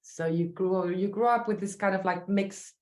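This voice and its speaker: A woman from Chile with a Chilean Spanish accent, speaking as a sculptor in an interview, thoughtful and halting with many fillers. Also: mid-range voice, a little mellow. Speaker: sculptor guest. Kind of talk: interview answers. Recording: roomy echo.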